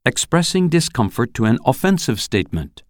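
A voice announcing the headings of an English phrase lesson in a crisp, heading-like way. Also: mid-range voice, sing-song, brisk, no room sound, clean studio sound. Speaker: section announcer.

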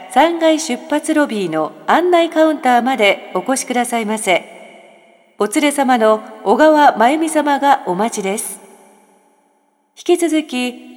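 A woman reading formal, polite airport paging announcements in a measured way. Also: fairly high pitch, a little mellow. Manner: polite, measured, honorific phrasing. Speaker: airport announcer in a listening test. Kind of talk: formal public-address announcement. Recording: long hall reverb.

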